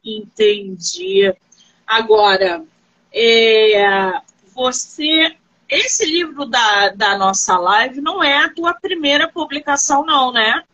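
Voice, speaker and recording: A woman author hosts a live-stream interview, asking her guest questions in an animated, friendly way and telling stories to the viewers. Her voice is high, bright and forceful. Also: takes it slowly, dull audio. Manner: animated, reassuring, storytelling.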